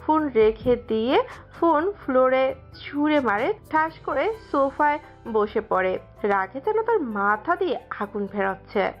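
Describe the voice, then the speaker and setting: A woman narrating a dramatic story with a steady storytelling delivery. Her voice sits a little high, and the recording is dull and lo-fi with faint music behind her. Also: a little slow. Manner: steady storytelling, occasional slips.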